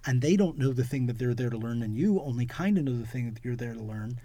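Husky man explaining thoughtfully. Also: medium pitch, animated, fast talker, dry recording. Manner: thoughtful, explanatory, trailing off quietly at ends of phrases. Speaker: podcast co-host and clown performer. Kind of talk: reflective casual conversation.

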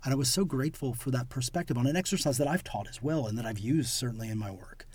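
A husky-voiced man talks through an idea at a relaxed, conversational pace. He explains carefully and often lets the ends of his sentences drop to a murmur. His pitch sits in an ordinary middle range. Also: quick pace. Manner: thoughtful, explanatory, trailing off quietly at ends of phrases. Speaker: podcast co-host and clown performer. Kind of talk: reflective casual conversation.

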